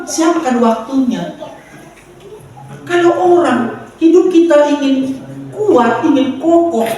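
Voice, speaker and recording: A man's voice: very high-pitched, slight background noise. A man with a Medan accent preaching a sermon to a church, joking with the congregation. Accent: Medan Indonesian. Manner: joking, playful preaching with audience asides. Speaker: pastor. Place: large church hall. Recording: very echoey hall, mic far off.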